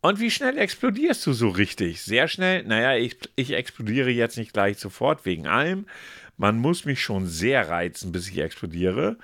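A man's voice: medium pitch, sing-song, normal speed, a bit bright, no echo, studio quality. A man co-hosting a casual podcast, reading quiz questions and answer options aloud in a playful way. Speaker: podcast co-host.

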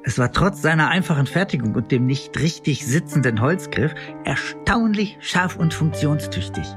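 An actor playing an earnest, unsure young medieval crusader in a musing, self-questioning radio play monologue. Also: male voice, a little high, expressive, normal speed, music in the background, natural voice. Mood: proud, confiding.

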